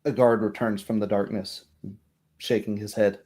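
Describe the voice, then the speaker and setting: A man's voice: lowish voice, level tone, normal speed, warm tone, slightly rough. A man narrating a tabletop roleplaying game as the game master.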